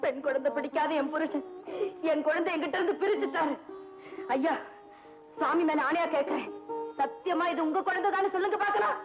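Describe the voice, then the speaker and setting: A woman's voice: sits high, a little fast, pauses often, natural voice, poor audio. An actress playing a mother in an old film drama, speaking in an emotional, imploring way. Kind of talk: 1970s film drama acting. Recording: old film soundtrack with music.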